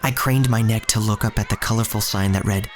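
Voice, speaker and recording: A man's voice: lowish voice, steady tone, fairly quick, close to an everyday voice. A man playing a wary young street thief who tells his own story as scripted audio drama narration. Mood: descriptive. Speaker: narrator and lead actor. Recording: music bed under the voice.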